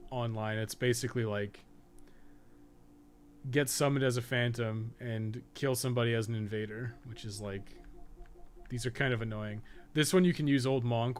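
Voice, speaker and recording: A man's voice: medium pitch, fairly even intonation, normal speed, slight background noise. A man giving casual, rambling livestream game commentary, thinking aloud with some swearing and self-deprecation. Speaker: video game streamer and podcast co-host.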